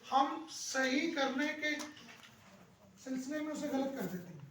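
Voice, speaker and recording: A man leads a teacher-training session, quizzing his listeners and drilling words back at them. His voice sits fairly high, and he sounds set back from the microphone in a reverberant room. A faint hum of ambience lies underneath. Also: lively intonation. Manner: keeps asking the room questions and drilling words; repeats phrases slowly for emphasis. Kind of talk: workshop lecture. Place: lecture room. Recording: roomy echo, distant mic, faint background ambience.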